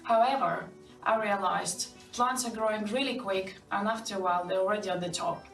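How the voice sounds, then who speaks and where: A woman's voice: medium pitch, a little fast, vocal fry, fairly bright tone, far from the mic. Woman from Estonia, earnest home video tour, echoey room, recorded from afar, faint music behind. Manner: earnest, slightly non-native phrasing. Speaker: viewer showing her indoor garden. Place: home interior with plants.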